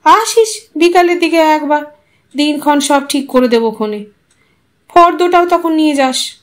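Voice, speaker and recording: A woman's voice: high-pitched, measured pace, pitched above the performer's own voice. A woman voicing a pompous, pushy male village priest in an audio story, with a know-it-all, wheedling manner. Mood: listless.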